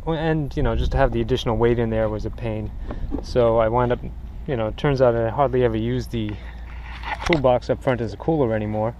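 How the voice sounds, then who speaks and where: Man, mid-pitched, easygoing show-and-tell with fillers, recorded outdoors on an action camera with clear background noise. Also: dull audio. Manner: relaxed, rambling, frequent "uh" fillers. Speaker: kayak angler showing his gear. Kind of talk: casual show-and-tell narration. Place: outdoors on shallow water beside a kayak. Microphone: action camera mounted on the kayak. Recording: noisy outdoor camera audio with wind and water.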